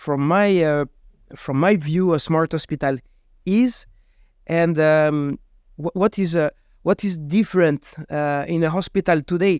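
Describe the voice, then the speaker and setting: A man with a French accent, fairly high-pitched with ordinary pitch variation, at a fairly slow pace with long, frequent pauses, in a dry, close sound with no echo and a very clean recording against a silent background. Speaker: healthcare technology business developer. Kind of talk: interview. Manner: halting.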